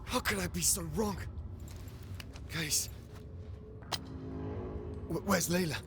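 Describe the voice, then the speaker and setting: An actor playing a determined young warrior hero in a video game, earnest, urgent and emotional. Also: male voice, sits high, takes it slowly, creaky, loud music behind the voice, exaggerated voice. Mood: shaken, confused. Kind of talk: video game character acting.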